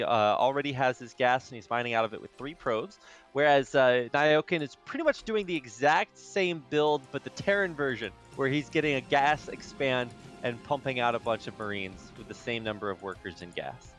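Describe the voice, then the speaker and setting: A man casting a strategy video game, chatting and rambling between plays and rising with excitement when the action heats up. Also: medium pitch. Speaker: esports caster. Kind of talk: play-by-play commentary.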